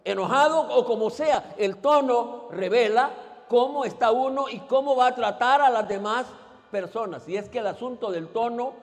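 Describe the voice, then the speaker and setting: In a church sanctuary, a man preaches at a moderate pace in a very high voice. He's a pastor leading the congregation in call-and-response and posing questions, and a long church reverb hangs over the recording.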